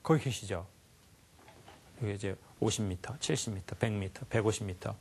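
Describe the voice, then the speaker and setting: A man giving a lively life lecture to a live audience, often asking them questions and acting out sounds. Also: lowish voice, moderate pace, slight background noise. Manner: animated, asks the audience questions, acts out sounds.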